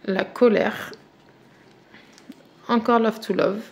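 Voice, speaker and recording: A woman speaking French at a middle pitch for her sex, chatty and eager, often repeating herself and filling pauses with hesitations. She sounds a bit tired but stays lively as she talks to her viewers. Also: gravelly. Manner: chatty and enthusiastic, with many fillers. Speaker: budgeting vlogger. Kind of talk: casual unboxing chat.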